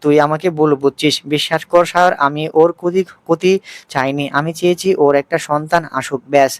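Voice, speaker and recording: A man reading the part of a scheming middle-aged mother, wailing and pleading between sobs. His voice sits a little high, with a close, dry sound. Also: steady tone, a little fast, dry recording, lightly acted. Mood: tearful.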